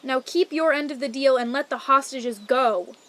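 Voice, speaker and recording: Woman as a high-voiced plucky lady knight. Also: normal speed, a bit bright. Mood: bold. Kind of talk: audio fairy-tale comedy drama acting.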